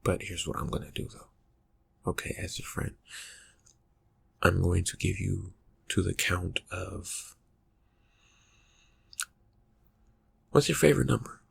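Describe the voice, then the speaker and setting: A man plays a vampire quietly threatening a friend in an ASMR roleplay. The voice is low and heavily creaky, with a breathy, husky edge. The delivery is soft, halting and insinuating, keeping the menace calm. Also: heavily acted. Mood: calmly menacing.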